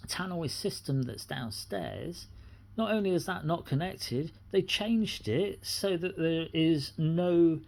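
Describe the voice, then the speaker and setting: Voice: mid-range voice, slow, vocal fry. A middle-aged person with a British accent, speaking off the cuff as an aggrieved tenant, indignant and going back over the same points. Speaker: tenant making a complaint. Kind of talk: unscripted personal grievance monologue.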